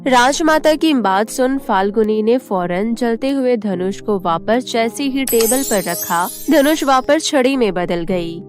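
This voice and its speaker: A woman's voice: fairly high pitch, animated, measured pace, few pauses. A woman storyteller reading a scripted children's tale as narration. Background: faint music.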